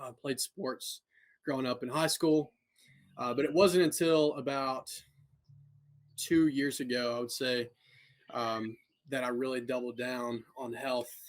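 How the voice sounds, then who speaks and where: With music in the background, a man of medium pitch speaks at a fairly slow pace. His intonation is fairly even, and he takes long, frequent pauses. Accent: slight Southern US. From US South, Alabama. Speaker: fitness coach and company executive. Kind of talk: podcast interview.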